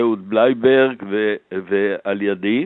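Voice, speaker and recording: At a very slow pace, a man speaks with medium pitch. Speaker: retired army colonel and civil engineering executive. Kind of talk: radio interview. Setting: phone call.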